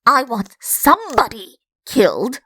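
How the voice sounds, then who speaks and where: A woman's voice: a little high, wildly swooping pitch, measured pace, bright, forceful tone, breathy edge, no room sound, clean studio sound, exaggerated voice. A woman voicing a vain, pompous prince who has been turned into a mixed-up animal, in a comic fairy tale audiobook. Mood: petulant. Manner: pompous, self-satisfied. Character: vain, pompous prince turned into a rabbit-lion-lamb creature.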